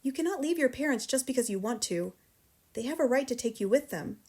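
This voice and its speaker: A woman reading aloud and voicing a gentle young teacher who speaks softly and patiently. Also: high-pitched, brisk, slightly rough, voice pushed up, full character voice. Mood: calm. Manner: soft, calm and patient.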